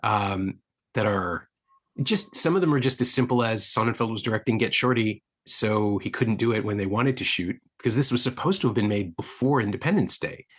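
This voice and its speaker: A man in his fifties with a low, husky voice hosts a film podcast, chatting casually. His delivery is wry and talkative, and his pitch jumps upward when something amuses him. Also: fairly quick. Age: 50s. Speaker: podcast host.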